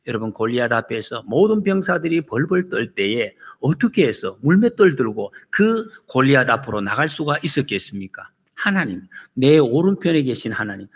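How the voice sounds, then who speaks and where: Male pastor mid-sermon, fairly high, bright and forceful, in a reverberant church sanctuary. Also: creaky, breathy edge. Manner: emphatic, rises and drops sharply, acts out quotes.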